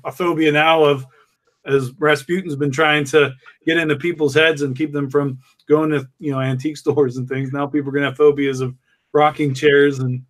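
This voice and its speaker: A man, one of the podcast's creators, chatting lightheartedly in a casual discussion, with laughs between his thoughts. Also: mid-range voice.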